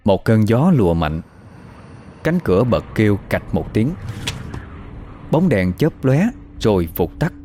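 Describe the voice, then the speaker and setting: A man tells a ghost story at an unhurried pace. His voice sits low yet moves widely in pitch, keeping a measured storytelling manner. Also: a little mellow. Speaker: narrator. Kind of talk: scripted horror narration.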